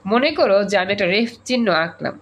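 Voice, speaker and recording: A man's voice: high voice, lively intonation, quick pace, creaky, a bit bright, lo-fi sound, a little hiss or hum. A male teacher, teaching an online class over a video call and drilling students with repeated questions and examples. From Bangladesh.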